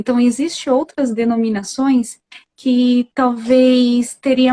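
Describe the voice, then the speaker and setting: Her voice is high-pitched with a dark, mellow tone, and the woman speaks at a very slow pace. The sound is dry and close with no echo. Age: 30s. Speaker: evangelical minister. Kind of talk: personal testimony in consultation.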